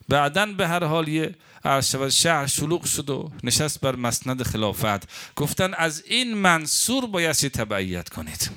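Animated male preacher giving a sermon. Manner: animated, mocking quoted opponents with raised pitch; chants Arabic prayers in a low, slow voice. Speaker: cleric preacher. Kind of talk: religious sermon.

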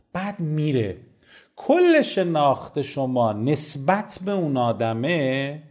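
Male trainer, conversational lecture, warm and mellow, very expressive pitch, talks straight to the listener. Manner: animated, rhetorical questions, addresses listener directly. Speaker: negotiation trainer.

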